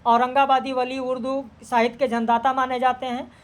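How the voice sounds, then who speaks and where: Brisk female exam tutor, high voice, even and level, reading out questions and answers. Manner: brisk, steady, matter-of-fact answer checking. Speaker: teacher.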